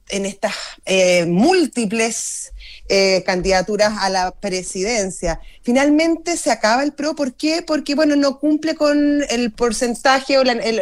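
Bantering female morning-radio co-host. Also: on the high side. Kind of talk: morning talk radio chat.

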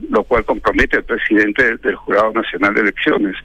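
A man's voice: on the low side, fairly even intonation, fairly quick, bright, forceful tone, husky, no room sound, lo-fi sound. A man giving political commentary as a guest in a radio interview, arguing emphatically with ironic asides.

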